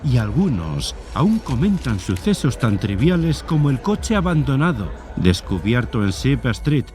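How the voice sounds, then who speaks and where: A man narrating a horror story as a scripted literary reading, in a measured storytelling manner. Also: medium pitch, big pitch swings, a little mellow, soft background music.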